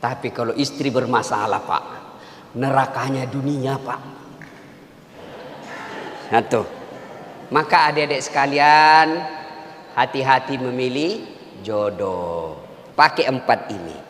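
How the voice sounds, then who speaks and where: A man preaching a humorous sermon, emphatic and joking, sometimes raising his voice to a shout. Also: medium pitch, slow, pauses often, slight background noise. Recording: long hall reverb.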